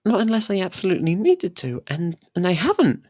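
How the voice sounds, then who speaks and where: A performer voicing a possessive, lovestruck young faerie royal in an intimate ASMR roleplay, speaking softly and haltingly. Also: medium pitch, big pitch swings, no room sound, clean studio sound. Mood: hesitant, defensive. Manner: hesitant, halting, soft and pleading.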